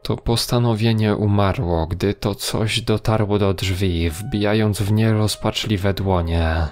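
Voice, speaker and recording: A man reading a horror story in a measured, grave storytelling manner. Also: on the low side, steady tone, a little mellow. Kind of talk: scripted horror narration. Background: faint music.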